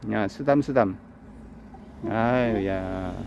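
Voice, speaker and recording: A man's voice: lowish voice, extremely slow, darkish tone, lo-fi sound, a little hiss or hum. A man on a rooftop in the early morning, chatting to his pet chicken in a coaxing, teasing way, like he would talk to a child. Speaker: pension owner talking to his pet chicken.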